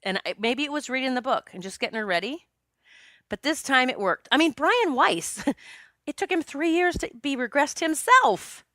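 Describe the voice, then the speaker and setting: A woman in her late forties talks through a solo podcast episode. She is chatty and expressive, and her voice is bright and forceful. The sound is dry and close, with no room echo. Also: sits high, moderate pace. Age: 40s. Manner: chatty and expressive, jokes with listeners. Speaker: podcast host and psychic medium.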